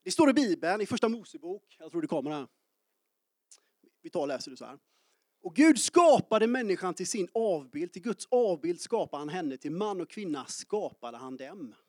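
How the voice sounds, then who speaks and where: Lively, high-voiced preacher, early forties. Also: male voice, hardly any pauses, no echo, clean studio sound. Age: 40s. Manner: lively, joking, calls out to the congregation. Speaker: pastor. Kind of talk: sermon. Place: church.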